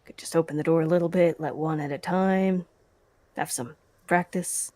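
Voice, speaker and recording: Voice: medium pitch, steady tone, normal speed, a little mellow, no room sound. Player talking strategy in a dry room. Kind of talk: casual in-character table talk.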